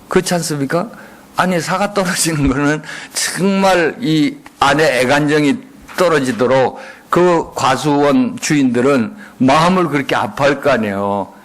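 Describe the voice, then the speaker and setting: 예배당에서 설교하는 중년 남성 목사로, 회중에게 수시로 질문을 던지고 응답을 유도한다. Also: male voice, mid-range voice. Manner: call-and-response, frequent rhetorical questions. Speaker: guest pastor. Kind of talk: sermon. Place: church sanctuary.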